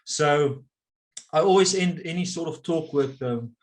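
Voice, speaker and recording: A man's voice: on the high side, a little slow. A man with a South African accent, a native Afrikaans speaker, wrapping up a talk over a video call and then answering questions, with many fillers and restarts. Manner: hesitant, lots of fillers and restarts. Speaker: conservation scientist giving a talk. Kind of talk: closing remarks and Q&A answer.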